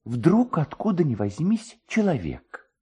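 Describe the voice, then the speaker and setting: A man's voice: a little high, huge pitch swings, measured pace, a little mellow, slightly rough, exaggerated voice. A man voicing a superstitious, talkative village distiller in a storybook reading, anxious and pleading in manner. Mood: eager storytelling.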